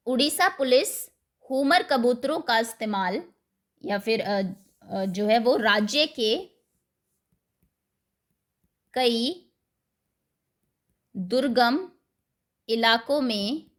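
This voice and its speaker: A woman teacher walks young pupils through a worksheet, sounding out answers word by word. Her voice sits a little high, and she speaks very slowly and patiently. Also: expressive. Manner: slow, patient, dictates words one at a time. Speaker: school teacher. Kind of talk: explaining a Hindi worksheet to primary pupils.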